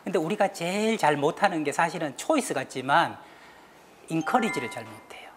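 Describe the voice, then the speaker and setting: A woman giving a lively talk show lecture, acting out little scenes and having the panel repeat her lines. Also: low voice, a little fast, a little hiss or hum. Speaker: guest lecturer on stress.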